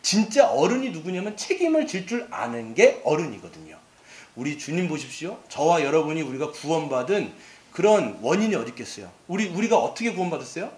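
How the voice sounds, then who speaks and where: Middle-aged pastor guy preaching, high voice, acts out the quotes, echoey church. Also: brisk. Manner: animated, acts out quoted lines, asks the congregation questions. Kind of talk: sermon. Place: church sanctuary.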